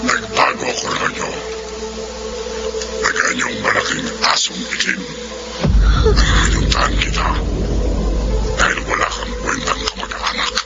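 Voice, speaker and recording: An actor playing a vengeful shapeshifting monster in black dog form in a radio horror drama, growling and menacing. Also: male voice, measured pace, long pauses, muffled recording, over loud music, natural voice. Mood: menacing, furious. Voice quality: very deep, gravelly growl. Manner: menacing, accusing.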